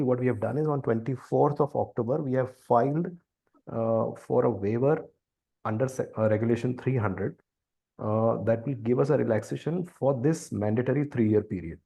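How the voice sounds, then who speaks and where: Mellow, slightly gravelly male company executive. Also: medium pitch. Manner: halting, deliberate, hedged explaining. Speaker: company executive answering investor questions. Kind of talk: earnings call briefing. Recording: conference call audio.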